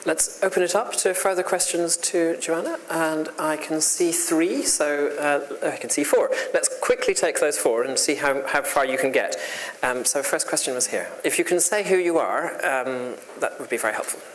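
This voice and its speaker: A seminar chair keeps the questions moving in a brisk, organizing way. A long reverb trails the voice in the room. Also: medium pitch.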